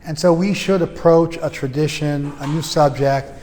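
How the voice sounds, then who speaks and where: His voice runs on the high side, steady and a little mellow at normal speed, with slight background noise. The spiritual teacher keeps his informal class lecture conversational, joking and using plenty of fillers, while the venue gives a long hall reverb.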